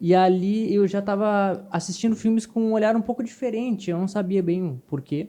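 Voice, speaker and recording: With a southern Brazilian accent, a man speaks at a moderate pace with hardly any pauses. His high voice has a dark, mellow tone and ordinary pitch variation. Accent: gaúcho Brazilian Portuguese. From southern Brazil, Guaíba near Porto Alegre. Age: 20s. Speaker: photographer and filmmaker. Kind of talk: podcast interview.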